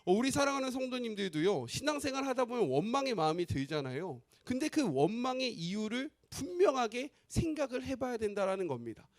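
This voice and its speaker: Animated high-voiced male pastor preaching. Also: fairly quick, hardly any pauses. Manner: animated, asks the congregation frequent questions. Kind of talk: sermon.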